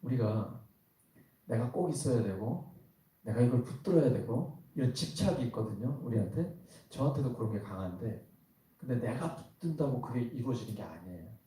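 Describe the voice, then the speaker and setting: A man's voice: mid-range voice, expressive, normal speed, mellow. A man pastor preaching a sermon in a church worship hall, talking conversationally and asking the congregation rhetorical questions. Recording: very echoey hall, voice from some distance.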